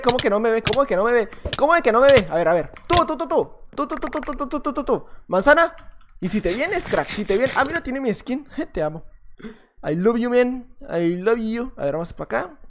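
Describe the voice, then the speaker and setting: A man with a Mexican Spanish accent giving gameplay commentary, excitable and repeating short phrases as he talks to himself. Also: high-pitched, a little hiss or hum. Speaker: gaming youtuber.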